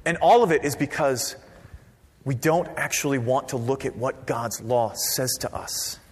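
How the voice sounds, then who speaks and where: A man preaching a sermon as pastor, conversational and lively, dropping to a quiet voice for emphasis. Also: mid-range voice, measured pace. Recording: long reverb of a large hall.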